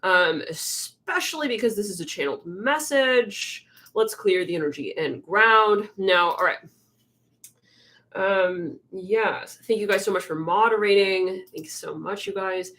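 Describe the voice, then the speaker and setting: A woman's voice: mid-range voice, measured pace, a bit bright. Young woman, live tarot stream host, rambling filler-heavy chat, slightly stuffy nose, murmurs to herself. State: a little congested.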